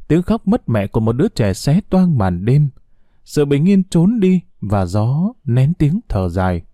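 A man narrates a heartfelt, sorrowful story, his voice moving freely up and down. The tone is dark and mellow. It sounds close and dry. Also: mid-range voice, no echo. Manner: slow, expressive, heartfelt.

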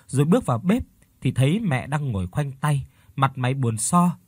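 A man narrating a story in an expressive, lively reading, close to the mic. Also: mid-range voice, breathy edge, no room sound. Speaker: audiobook narrator.

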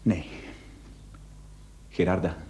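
An actor playing a meek, guilt-ridden, henpecked husband in a radio play, hesitant and subdued. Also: male voice, very slow, mellow, a little hiss or hum. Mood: subdued, helpless. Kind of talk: Dutch-language radio play acting.

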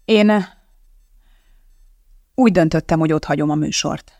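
A resolute woman chemist who hosts a television cooking show, voiced by an audiobook reader, speaks firmly to a studio crowd. Her delivery is raised and declaiming, with a gravelly edge. The recording is dry and close. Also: medium pitch, darkish tone, dry recording, natural voice. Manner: firm, declaiming to a studio audience. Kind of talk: audiobook character voicing.

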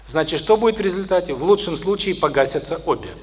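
A middle-aged man giving a spoken lecture to an audience, unhurried, with many pauses and restarts. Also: high voice, expressive.

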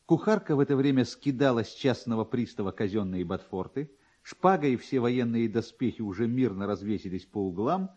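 A man narrating classic literature as an expressive storyteller, with a wry, theatrical manner. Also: medium pitch, lo-fi sound. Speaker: narrator, reader.

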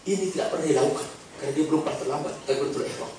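A man's voice: a little high, rapid-fire, recorded from a distance, slight background noise. Male preacher in a very echoey hall. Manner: animated, swinging between hushed and emphatic. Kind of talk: sermon with storytelling.

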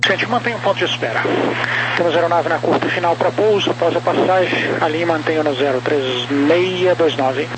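A man working as an airport tower controller, issuing procedural clearances in clipped phrases over aviation radio. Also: a little high, fairly quick. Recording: noisy tower radio channel with hum.

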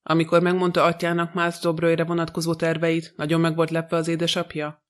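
A stern, sharp-spoken judge from a storybook, read by a male narrator. He questions in a level, flat tone. The voice is slightly high. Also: close to an everyday voice.

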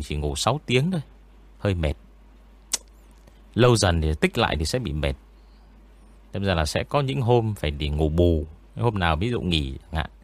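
A man with an eerie, spooky-sounding voice, a ghost story narrator chatting in a relaxed, rambling interview with frequent pauses. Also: sits low. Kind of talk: casual interview chat.

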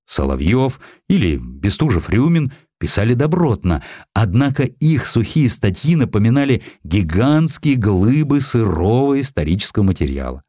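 A man narrates a historical sketch in a fairly low voice with very lively intonation. The sound is dry and close, and the delivery is that of a scripted, expressive audiobook reading. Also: no room sound.

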